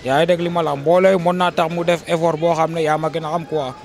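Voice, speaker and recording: A man's voice: on the high side, flat delivery, fast, gravelly, a little mellow. A young Senegalese man giving his opinion in a street interview, speaking steadily and repeating his point. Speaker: local resident interviewee. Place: outdoors by a wall. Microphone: handheld reporter mics held close.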